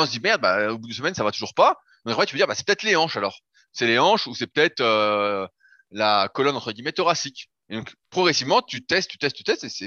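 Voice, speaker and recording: A male fitness coach with a mid-range, pushed, bright voice chats casually on a podcast, walking through his method step by step and swearing now and then. There's no room sound, and the recording is dull and lo-fi.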